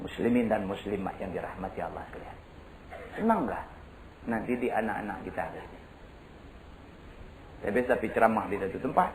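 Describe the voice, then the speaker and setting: Male preacher. Folksy, animated sermon storytelling with lively pitch swings. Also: a little fast, long pauses, roomy sound, slight background noise. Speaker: religious preacher.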